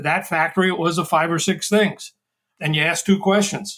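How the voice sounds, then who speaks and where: In a very clean recording with a silent background, a man with a high pitch talks very fast in a flat, monotone delivery. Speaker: hiring consultant and author. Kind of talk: interview.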